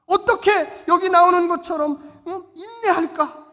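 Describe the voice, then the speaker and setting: A man preaching a sermon as pastor, emphatic, repeating rhetorical questions and swinging between loud and soft delivery. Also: extremely high pitch, moderate pace. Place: church sanctuary. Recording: long church reverb.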